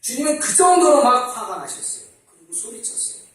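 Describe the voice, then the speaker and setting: A middle-aged man preaching a sermon as pastor, talking in a lively, conversational way and asking the congregation questions. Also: very high-pitched, brisk. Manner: animated, conversational, asks the congregation rhetorical questions. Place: church sanctuary. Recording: very echoey church hall from far off.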